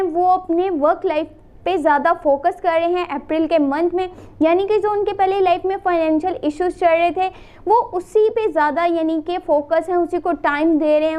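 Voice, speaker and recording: High-voiced woman with a sore throat. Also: a little mellow. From Pakistan. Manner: addresses the viewer directly, repeats and lists phrases, mixes in English. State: sore throat, slightly hoarse. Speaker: tarot reader. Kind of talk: casual monthly tarot reading to camera.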